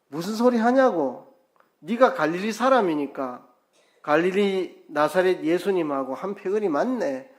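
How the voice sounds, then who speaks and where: A male pastor preaches in a church sanctuary with a slightly high voice. He tells the story vividly and acts out the characters' lines. His voice jumps loud and falls to a near murmur. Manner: storytelling with acted-out quotes, swinging loud and soft. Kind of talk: sermon.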